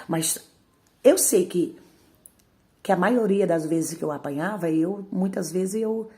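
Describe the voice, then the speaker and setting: Slowly and warmly, in a voice on the low side, a woman shares an emotional testimony. Again and again she turns to speak directly to her audience.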